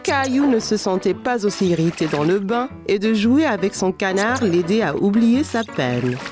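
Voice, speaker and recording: A woman playing a gentle narrator in a children's cartoon, reading scripted story lines with expressive, clear phrasing. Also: mid-range voice, moderate pace, music in the background, lightly acted. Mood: sympathetic.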